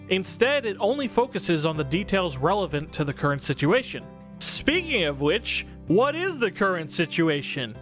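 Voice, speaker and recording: Animated high-pitched man reviewing games. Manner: casual, sweary, exaggerated emphasis. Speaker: video host and game reviewer. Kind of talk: scripted comedic review narration. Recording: music under the voice. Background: background music.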